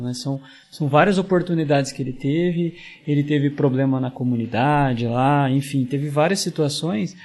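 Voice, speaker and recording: A man's voice: on the high side, vocal fry, a little mellow. A man co-hosting a podcast in casual chat, agreeable and optimistic, answering mostly with short affirmations. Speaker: podcast co-host.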